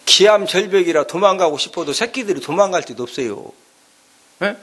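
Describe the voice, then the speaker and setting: A male pastor delivers an animated sermon in a high voice. His pitch rises and falls widely as he acts out the story. He keeps calling out to his listeners. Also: fairly quick, slightly rough. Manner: animated storytelling with sound effects, asking the congregation "예?".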